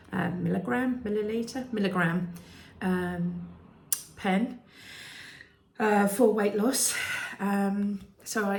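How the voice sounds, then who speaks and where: Woman, 50s, British, flat low-ish delivery with a gravelly edge; hesitant personal vlog, echoey room. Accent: British English. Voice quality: croaky at times. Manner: hesitant, many ums and restarts. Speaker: vlogger.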